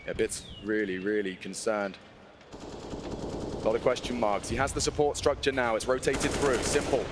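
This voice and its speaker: A man working as an esports caster, calling live play-by-play with excitable, dramatic phrasing. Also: mid-range voice, moderate pace. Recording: noisy game audio behind voice. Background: gunfire and game sounds.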